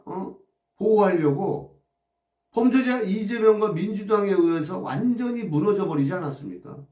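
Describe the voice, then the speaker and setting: A man's voice: high voice, a little mellow, echoey room, recorded from a distance. A man delivering an impassioned, agitated political commentary monologue, firing off rhetorical questions and blunt insults. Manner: agitated, rhetorical, crude insults, repeated "어?" asides.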